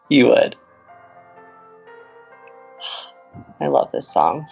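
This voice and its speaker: An actor playing an earnest, smitten young man who co-hosts college radio, speaking in a halting, tender, teasing way in an audio romantic comedy. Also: fairly high pitch, huge pitch swings, vocal fry, slightly rough, highs cut off, soft background music, heavily acted. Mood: playful, smitten. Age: young adult.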